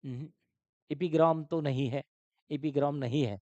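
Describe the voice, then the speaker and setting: A man's voice: a little high, steady tone, normal speed, mellow, dry recording. Man, online exam-prep teacher, quizzing and repeating, dry, dull recording. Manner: questioning, repeats terms, mixes English terms into Hindi. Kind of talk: live online class.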